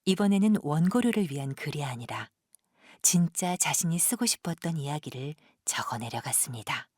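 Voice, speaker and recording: A woman narrating a literary audio drama in a hushed, solemn, lyrical manner with a breathy voice. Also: sits low, animated, normal speed, dry recording, clean studio sound.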